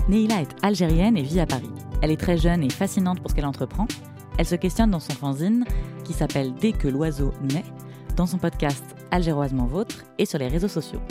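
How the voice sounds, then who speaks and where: A woman hosting a podcast, calmly reading a scripted, reflective narration. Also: low-pitched, a little fast, over music. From partly Morocco. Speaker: podcast host.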